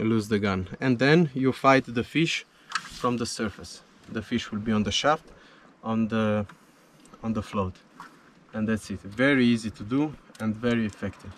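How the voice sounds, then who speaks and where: A man's voice: mid-range voice, a little hiss or hum. Man explaining gear on a boat. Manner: non-native English with small slips, patient explaining. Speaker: spearfishing vlogger. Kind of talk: casual explanation to camera. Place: small wooden boat on the sea, outdoors. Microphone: camera on the boat. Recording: music underneath.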